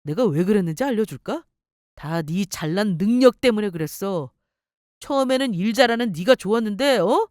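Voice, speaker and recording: A woman's voice: mid-range voice, lively intonation, moderate pace, darkish tone, no echo, clean studio sound, natural voice. A woman voicing an arrogant, cheating husband who runs a company, talking down with contempt in a story radio drama. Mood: sneering. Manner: sneering, boastful, contemptuous. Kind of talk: story radio role-play.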